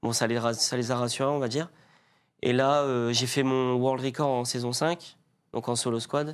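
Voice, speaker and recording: Recorded very cleanly against a silent background, a man with a medium pitch speaks at a fairly slow pace in a monotone, flat intonation. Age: 20s. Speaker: pro gamer. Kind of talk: interview.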